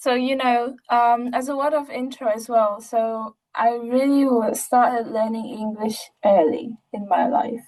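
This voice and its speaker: With a Polish accent, a woman speaks at a fairly slow pace in a high pitch with ordinary pitch variation. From Poland, Torun. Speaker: university student and astrobiology outreach lead. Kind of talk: interview.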